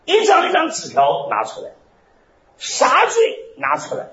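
A male pastor preaching a fiery sermon, animated and bursting into shouted phrases. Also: very high-pitched, measured pace. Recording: roomy, slightly dull recording.

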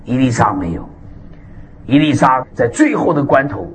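A man preaching a sermon, animated and emphatic, with frequent hallelujahs and amens. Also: medium pitch, normal speed, slight background noise. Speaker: pastor.

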